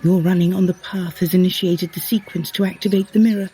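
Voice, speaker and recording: A woman's voice: fairly low pitch, fairly even intonation, quick pace, mellow, slightly rough, soft background music. An actress playing a solemn, commanding Norse goddess in an audio drama, formal and authoritative as she gives instructions. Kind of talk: scripted audio drama acting.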